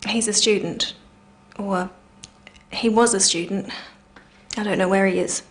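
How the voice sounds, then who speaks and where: A young businesswoman in her twenties, played by a woman, answering questions in short, polite replies. Her voice sits at an ordinary pitch. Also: steady tone, unhurried, close to an everyday voice. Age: 20s. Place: small office set, indoors.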